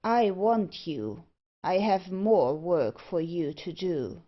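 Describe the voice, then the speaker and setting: A woman voicing a commanding, menacing male villain who speaks in a slow, imperious way. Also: lowish voice, lively intonation. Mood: stern, menacing. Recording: dull, lo-fi audio.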